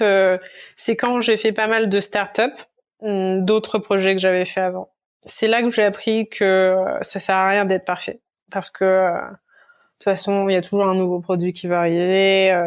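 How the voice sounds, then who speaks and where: A young woman chats as a podcast guest in a loose, easygoing way, filling her pauses with fillers and soft sighs. Her voice sits in a middle pitch. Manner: relaxed, lots of fillers and sighs. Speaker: guest illustrator. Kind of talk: casual interview chat.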